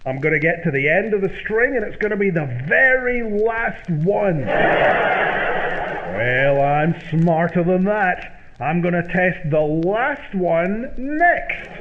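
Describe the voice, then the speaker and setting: An actor playing an excitable, stubborn, blustering man in an old-time radio comedy sketch. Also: high-pitched, takes it slowly, narrow, tinny audio, very noisy. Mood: impatient. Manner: blustering, exaggerated, old-fashioned turns of phrase.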